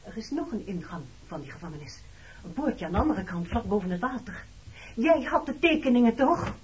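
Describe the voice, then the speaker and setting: A woman's voice: on the high side, sing-song, a little fast, a little hiss or hum. An actress playing a wounded, reproachful married woman in a Dutch radio play, speaking frankly about her past. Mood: pressing, reproachful. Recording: dull, muffled old radio recording.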